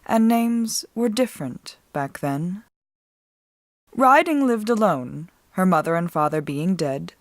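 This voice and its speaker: A woman giving a dramatic, measured storybook narration, reading as an author with deliberate expression. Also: fairly low pitch, no echo.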